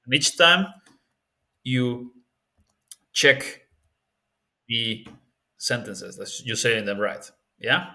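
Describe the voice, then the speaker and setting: Spanish accent guy teaching language stuff, casual, thinks out loud, lots of "yeah?". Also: medium pitch, very slow, gravelly, pauses often. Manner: relaxed and thinking aloud, with frequent fillers and tag questions. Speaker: language-learning video host. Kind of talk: casual spoken tutorial.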